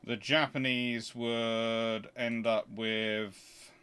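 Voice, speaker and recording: A man hosts a casual, unscripted question-and-answer commentary, thinking aloud haltingly and growing emphatic as he explains. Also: medium pitch, little pitch movement, pushed and bright, clear, resonant tone. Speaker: history channel host answering viewer questions.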